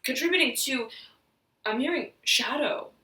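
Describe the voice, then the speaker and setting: Bright-voiced woman reading tarot, roomy. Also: high-pitched, expressive, far from the mic. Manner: halting, searching, fills with "right" and "I'm hearing". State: slightly hoarse. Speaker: tarot reader. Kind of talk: intuitive tarot reading to camera. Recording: roomy echo, voice off-mic.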